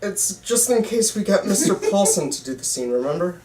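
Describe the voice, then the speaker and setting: A man's voice: sits high, very animated, moderate pace, dark tone. A man reading casual dialogue in an amateur table read. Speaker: table read participant playing a young filmmaker. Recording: echoey room, distant mic, faint noise.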